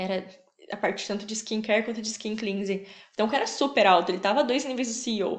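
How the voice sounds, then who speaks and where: Audible room echo surrounds a woman with a fairly high pitch. She speaks at a fairly quick pace with ordinary pitch variation. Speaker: online course teacher. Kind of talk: online course lecture. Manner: fast; casual.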